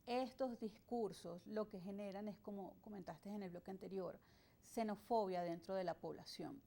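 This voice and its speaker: Measured woman from Venezuela explaining. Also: medium pitch, creaky, warm tone. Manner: measured, explanatory, with frequent hesitations. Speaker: immigration lawyer, guest. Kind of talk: interview answers.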